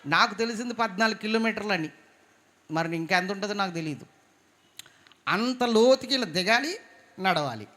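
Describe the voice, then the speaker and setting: A pastor preaching a sermon, fervent, swinging from quiet storytelling to loud exclamations and calls for praise. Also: male voice, high voice, expressive, normal speed, pauses often.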